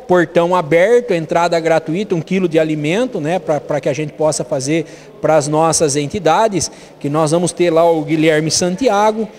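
A man's voice: fairly high pitch, darkish tone. A middle-aged man with a Brazilian accent answering a TV interview as mayor, repeating words as he explains. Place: indoor room. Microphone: handheld interview microphone. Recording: echoey, reverberant room.

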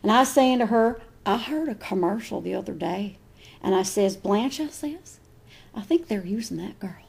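A folksy older Southern woman from the trailer park. She rambles bluntly through gossip in a husky, animated voice. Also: mid-range voice, normal speed. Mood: gossipy.

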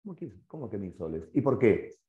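A man with a Peruvian accent voicing a bitter, fussy older woman with a mannish voice who shouts her complaints. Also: lowish voice, very animated, a little fast, echoey room, narrow, tinny audio. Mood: indignant. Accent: Peruvian Spanish.

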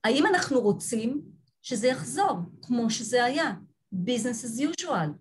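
Husky lady lecturer on a video call, bit high, stops and restarts a lot. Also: animated. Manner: thoughtful, halting, many restarts. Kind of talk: online lecture with slides.

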